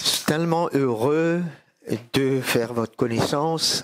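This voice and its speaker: Speaking at a very slow pace, a man with a Mauritian accent uses ordinary pitch variation. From Mauritius. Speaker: visiting pastor. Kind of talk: sermon. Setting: church.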